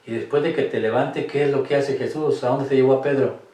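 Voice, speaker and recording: A man guiding a Catholic Bible study speaks a little fast, his mid-range voice warm and steady in tone. He makes his points emphatically through rhetorical questions; the room, set up with cameras, is echoey and the mic far away.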